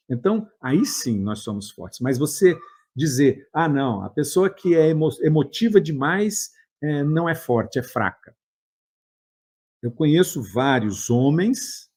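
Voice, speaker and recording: A man's voice: mid-range voice, a little mellow, slightly rough. A Brazilian man with a Brazilian Portuguese accent, a therapist giving an earnest motivational talk full of anecdotes and repeated "né?" tags.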